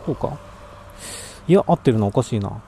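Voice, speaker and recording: A man with a dark, mellow voice talks casually to livestream viewers, half to himself while fixing his audio setup. He speaks into a voice recorder mic outdoors. Faint outdoor noise sits under his voice. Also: fairly low pitch, expressive, fairly quick, creaky. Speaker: cycling livestreamer.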